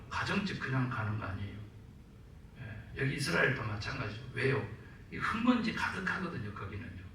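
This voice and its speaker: A man, a Korean pastor, preaching a sermon with animated delivery, acting out quotes and calling for amens. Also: medium pitch, vocal fry, slight background noise. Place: church sanctuary. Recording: very echoey church, mic at a distance.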